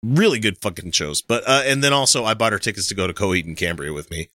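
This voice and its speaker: Bright-voiced, rambling middle-aged American man. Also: lowish voice, quick pace, dry recording, clean studio sound. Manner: relaxed, rambling, swears casually. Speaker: podcast co-host. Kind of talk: casual chat.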